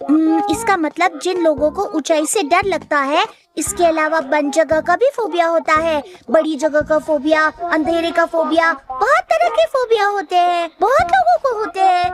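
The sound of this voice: In a cartoonish character voice at an extremely high pitch, the speaker moves at a moderate pace with hardly any pauses.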